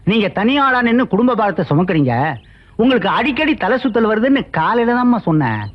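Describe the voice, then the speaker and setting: A man's voice: very high-pitched, sing-song, fast talker, heavily acted. An actor playing a loyal, earnest male household servant in a film, speaking in a pleading way. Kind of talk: film dialogue. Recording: dull lo-fi film soundtrack with music behind.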